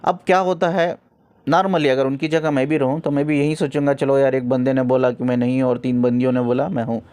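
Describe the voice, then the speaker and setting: A man's voice: medium pitch, level tone, a little fast, a little mellow, dry recording. A man working as a spiritual counselor, telling a client's story earnestly and acting out the quoted calls. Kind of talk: spoken storytelling talk.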